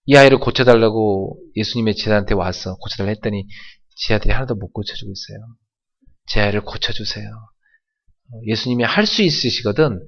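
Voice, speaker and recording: A man's voice: fairly low pitch, fairly quick, muffled recording. A male pastor voicing a desperate father who pleads for his son to be healed. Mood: pleading.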